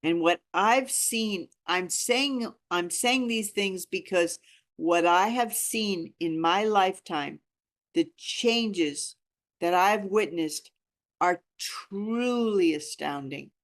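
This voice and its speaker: A woman in her sixties talking informally and earnestly to a discussion group, with emphatic phrasing. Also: fairly low pitch. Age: 60s. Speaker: reading group leader.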